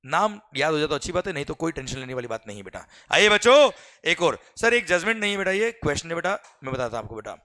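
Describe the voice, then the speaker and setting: A man with an Indian accent teaching a lively class, often calling students "beta" and asking whether they follow, and reading English exam questions out slowly. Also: fairly high pitch. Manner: addresses students as beta, keeps asking "clear?".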